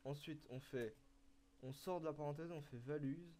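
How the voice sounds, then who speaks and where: A young man explaining a coding tutorial step by step, halting and filling pauses with hesitations as he types. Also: on the high side, warm tone, slight background noise. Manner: halting, full of "euh" and "donc", talks while typing. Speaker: tutorial maker. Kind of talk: screen-recorded coding tutorial.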